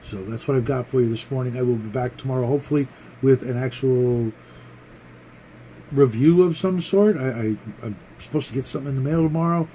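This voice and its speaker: Mellow, rambling man with background noise. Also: medium pitch, low-quality recording. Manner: rambling, halting, conversational. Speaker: host of a tabletop gaming vlog, game master. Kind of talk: casual unscripted vlog talk to viewers.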